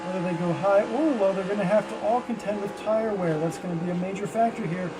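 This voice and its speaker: Male track guide over clear vehicle noise. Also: high-pitched, fast talker. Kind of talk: guided lap commentary.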